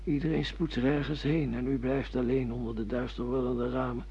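An actor playing an irritable, disoriented husband who questions everything in a radio drama. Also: male voice, medium pitch, little pitch movement, a little fast, husky. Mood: wistful, lost. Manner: querulous, questioning, exasperated. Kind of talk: radio play acting in Dutch. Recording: dull, muffled radio drama recording.

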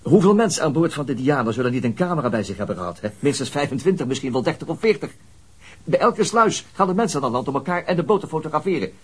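A man's voice: on the high side, big pitch swings, quick pace, breathy edge. A man playing a methodical middle-aged police detective and father in a naturalistic radio drama, dryly reasoning things through. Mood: urgent, excited.

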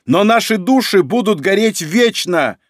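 A man voicing a young male aristocrat fighter, yelling and cursing under heavy strain. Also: high voice, expressive, a little slow, no echo, studio quality, voice pushed up. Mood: desperate.

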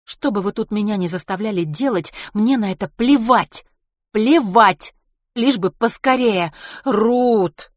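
A narrator voicing a sullen, defiant eighteen-year-old girl who snaps loud and sharp. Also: mid-range voice, measured pace, no room sound, studio quality, voice pushed up, close to an everyday voice.

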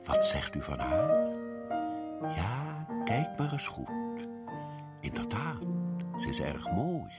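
The sinister man in black. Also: lowish voice. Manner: slow, theatrical, suspenseful delivery. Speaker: narrator host of a horror radio series. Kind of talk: radio drama narration.

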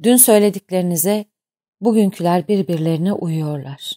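Audiobook part: a woman doing a defiant young male sailor, earnest and curt, in a warm lowish voice. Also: normal speed, close to an everyday voice. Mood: reproachful.

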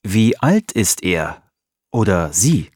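A man reading the thoughts and replies of a curious young woman, in a slow, plain voice. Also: fairly low pitch, sing-song, a little mellow, no echo, studio quality, full character voice.

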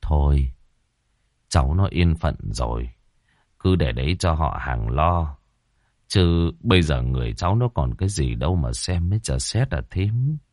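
A man voicing a somber older male relative who soothes a grieving mother in a low, mournful voice. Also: expressive, a little slow, a little mellow, dry recording, clean studio sound. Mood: consoling.

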